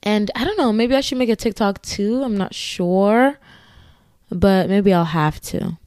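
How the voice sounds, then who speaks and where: Ghanaian woman rambling on her solo podcast, giggly asides, mid pitch, super dry close sound. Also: a little slow, darkish tone, no echo. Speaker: podcast host. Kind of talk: casual solo podcast chat.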